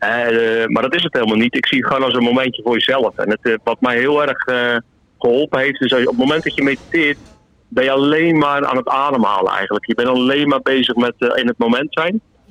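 Over noticeable background noise, a man speaks at a fairly quick pace with medium pitch, ordinary pitch variation and very even loudness. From Netherlands, near Dordrecht. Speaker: caller, forklift salesman. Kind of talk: phone-in chat. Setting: phone call.

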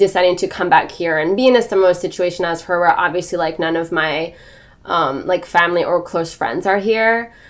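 A woman with an American accent speaks at a fairly quick pace in a plain, everyday voice, her pitch fairly low with ordinary pitch variation. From United States. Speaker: podcast guest. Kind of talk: casual interview. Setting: in person, Los Angeles.

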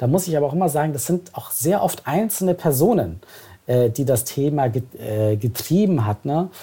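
A man talks at a moderate pace in a fairly high pitch, his tone dark, mellow and somewhat breathy. His intonation is lively. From Bavaria, Germany. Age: 40s. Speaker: entrepreneur, event organizer. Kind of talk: interview.

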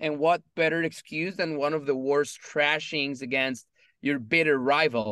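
This man has an unremarkable speaking voice with ordinary pitch variation, heard against a quiet background. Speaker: sports journalist. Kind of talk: casual chat.

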